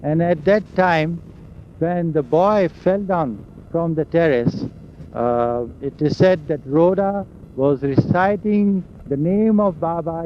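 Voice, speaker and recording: Older man, halting recollection. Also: on the high side. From India. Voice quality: loud voice. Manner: slow, halting storytelling of memories. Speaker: interviewee. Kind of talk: oral history recollection. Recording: dull lo-fi recording with faint hiss and vehicle sounds.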